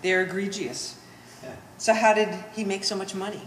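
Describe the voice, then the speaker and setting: A woman's voice: mid-range voice, moderate pace, lightly acted. A woman playing a judgmental, sanctimonious Catholic daughter in a stage play, sardonic and pompous in her wording. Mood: sardonic, righteous. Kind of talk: one-act stage play performance. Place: gallery stage performance, indoors. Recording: echoey hall with faint noise.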